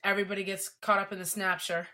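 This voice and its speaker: Woman, podcast guest, casual chat, animated, laughs a lot, mid pitch. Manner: animated, laughs often, quick asides. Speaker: podcast guest, entertainment writer.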